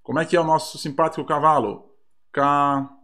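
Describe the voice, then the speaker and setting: A man's voice: on the high side, fast talker, fairly bright tone. A man with a Brazilian Portuguese accent, a teacher reviewing mock exam questions in an online lesson, reading aloud with ironic asides.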